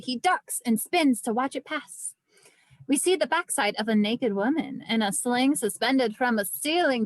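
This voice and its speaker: A woman's voice: on the high side, dry recording, low-quality recording. A woman narrating stage directions from a script at a table read.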